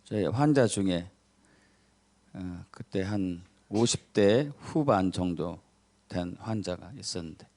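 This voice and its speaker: A middle-aged male pastor preaching a sermon. He stresses key words by repeating them low, and he tells stories in which he acts out the voices of the people in them. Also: dark tone.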